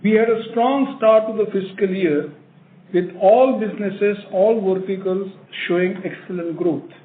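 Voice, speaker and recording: An older man with an Indian accent, a chief executive giving prepared remarks in an emphatic way, repeating phrases for stress. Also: high voice. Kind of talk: prepared earnings call remarks. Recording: echoey narrow phone line, faint noise.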